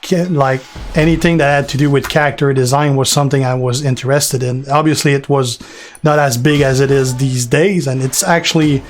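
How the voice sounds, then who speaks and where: A man's voice: mid-range voice, brisk, slight background noise. A man in his forties, French by first language and with a French accent, chatting loosely with his live-stream viewers and answering them by name. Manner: relaxed, rambling, answers chat by name, fillers. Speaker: gaming streamer. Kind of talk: casual live-stream chat.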